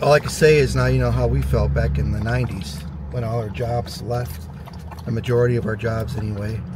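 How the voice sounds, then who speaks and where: A man at a fairly quick pace, in a dry sound with no echo, over noticeable background noise. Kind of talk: casual commentary. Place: car. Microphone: phone near.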